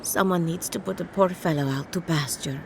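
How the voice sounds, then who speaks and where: An actress playing a chatty, morbidly cheerful necromancer farmer in a fantasy game, wry and theatrical. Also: female voice, lowish voice, normal speed, gravelly, a little hiss or hum. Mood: wry, businesslike. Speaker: game character. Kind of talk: scripted video game dialogue.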